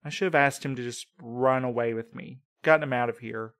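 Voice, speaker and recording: A man's voice: mid-range voice, a little fast, fairly bright tone, clear, resonant tone, dry recording, clean studio sound, lightly acted. A man playing a grieving young courier who is bitter and accusing, with clipped lines.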